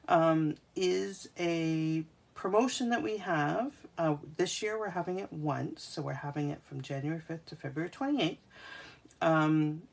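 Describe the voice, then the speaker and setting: A woman's voice: fairly low pitch, gravelly. A woman hosting a live craft demonstration, talking casually with many fillers and restarts. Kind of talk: casual live-stream demo.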